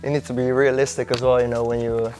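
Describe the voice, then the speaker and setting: A young man from the Netherlands speaks with a Dutch accent as a guest in a casual interview. He talks in a laid-back, hesitant way, pausing often to find his words. His pitch sits in the middle, and faint music plays underneath. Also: little pitch movement, darkish tone. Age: young adult. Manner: laid-back, hesitant with many ums and uhs. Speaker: guest footballer.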